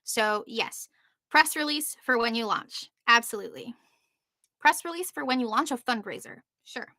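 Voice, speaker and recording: A woman's voice: fairly high pitch, expressive, moderate pace, bright, forceful tone, dry recording, clean studio sound. A woman presenting on a panel in an informal, chatty way, often breaking off into asides. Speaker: panelist presenting on podcast marketing.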